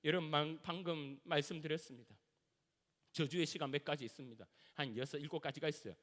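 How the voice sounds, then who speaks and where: Man, Gyeongsang accent, middle-aged pastor, sermon, colloquial and animated, high-pitched, reverberant sanctuary. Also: fairly quick. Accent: Gyeongsang Korean. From Gyeongsang region, South Korea. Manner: animated, colloquial preaching that acts out everyday scenes. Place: church sanctuary.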